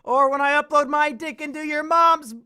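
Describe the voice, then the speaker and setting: Bright high-voiced male podcast host. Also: steady tone, moderate pace, a little hiss or hum. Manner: crude teasing jokes, frequent laughter. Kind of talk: casual podcast chat.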